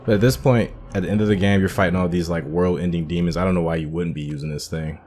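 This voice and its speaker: A man's voice: sits low, steady tone, fast talker, darkish tone, slight background noise. A man hosting a casual game playthrough, thinking aloud about the story while he plays. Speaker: gaming channel host. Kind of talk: casual let's-play commentary.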